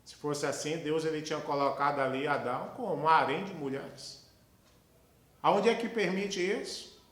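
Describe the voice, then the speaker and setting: A man from Brazil leads a Sabbath school lesson with an emphatic, preachy delivery full of rhetorical questions. His voice sits high for a man. The room gives it a noticeable echo. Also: moderate pace, a bit bright. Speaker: lesson host.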